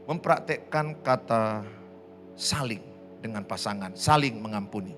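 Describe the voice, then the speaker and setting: A man's voice: fairly low pitch, expressive, unhurried, a bit bright, faint music behind. A man preaching a sermon as pastor, humorous and acting out everyday dialogue, then rising to impassioned exhortation. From Indonesia. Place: church.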